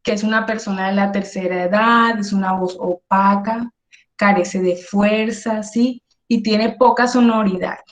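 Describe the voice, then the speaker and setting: A woman's voice: medium pitch, steady tone, measured pace, roomy sound. A woman teaching an online workshop, speaking with energy and emphasis and often checking in with her listeners. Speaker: workshop instructor.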